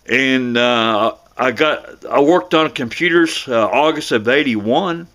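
Bright-voiced middle-aged American man rambling. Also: medium pitch. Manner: folksy, halting, repeats himself. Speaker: vlogger. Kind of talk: casual rambling personal storytelling to camera.

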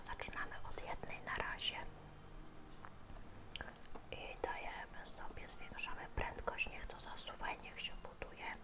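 A woman speaks entirely in a whisper. She hosts relaxing ASMR gameplay, thinking aloud in a casual, unhurried way as she goes. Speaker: host of a relaxing gaming channel. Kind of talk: whispered ASMR game commentary.

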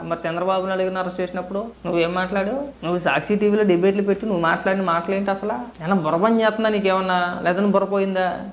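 A man who is a party activist, delivering a sarcastic, scolding video rant. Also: sits high. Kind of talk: ranting video commentary. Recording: roomy echo.

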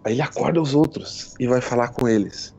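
A man's voice: medium pitch, brisk, a little mellow, a little hiss or hum. A man running a tabletop game as game master, narrating in a casual, chatty storytelling way. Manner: casual storytelling with frequent tag questions and laughs. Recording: dull lo-fi stream audio.

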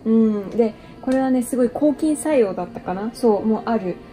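A woman's voice: fairly high pitch, lively intonation, fairly quick, mellow, faint music behind. Chatty young woman touring her room. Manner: chatty, mixes in English phrases, many fillers. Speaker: vlogger giving a room tour. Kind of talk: casual chat to camera. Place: small bedroom apartment indoors. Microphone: handheld camera close up.

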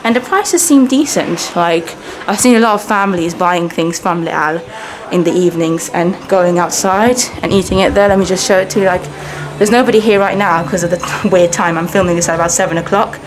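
A woman's voice: brisk, hardly any pauses. A woman in her thirties whose first language is Persian, giving an upbeat, chatty walking tour of a hotel while she films herself. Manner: chatty, upbeat, lively ups and downs in pitch. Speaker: travel vlogger. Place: indoor hotel lobby and halls. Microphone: handheld camera, self-filmed. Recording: noisy handheld camera audio.

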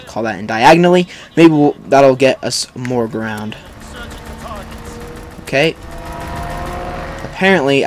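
A young man hosting a gaming video with casual, excitable live commentary and chatty asides to viewers. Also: mid-range voice, slight background noise. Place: indoors, voice-over on game footage.

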